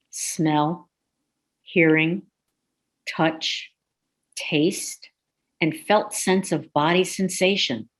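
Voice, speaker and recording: A woman leads a guided meditation, her voice low and unhurried. She speaks softly and gently, giving calm instructions with long pauses. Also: low-quality recording. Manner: slow, soothing, gently instructive.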